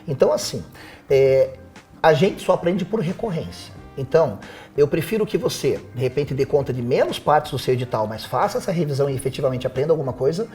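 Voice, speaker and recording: A teacher appearing as a podcast guest speaks in a slightly high voice at a brisk pace, with faint music behind him. Casual and animated, he gives practical advice and uses rhetorical questions.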